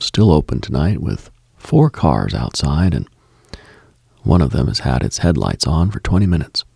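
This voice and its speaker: A low-voiced man hosting a late-night broadcast, his delivery slow and measured. His husky, gravelly tone often falls to a breathy whisper as he moves through short contemplative lists. The sound is close and dry, with no room around it. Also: warm tone, dry recording. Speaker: late-night radio host.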